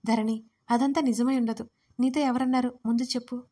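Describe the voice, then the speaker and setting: A woman's voice: a little high, steady tone, a little fast, mellow, close to an everyday voice. A woman reading as an anxious young friend. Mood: worried. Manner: pleading, worried questions.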